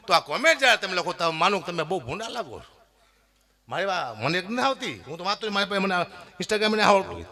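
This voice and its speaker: A middle-aged man, performing a stage comedy monologue full of laughter and loud outbursts. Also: medium pitch. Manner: lively storytelling with laughter, loud bursts for quoted voices. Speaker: folk comedian performing at a dayro.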